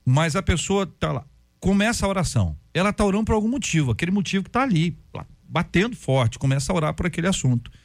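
A man, a pastor, talking about prayer in a relaxed, conversational way and acting out stories and prayers. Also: sits high, fast talker, no echo. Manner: storytelling, acts out prayers and quotes. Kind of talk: conversational faith talk.

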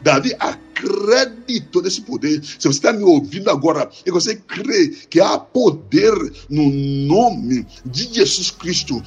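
A man's voice: on the high side, slightly rough. A man, preaching a sermon as a pastor in an impassioned way, repeating his phrases like a chant.

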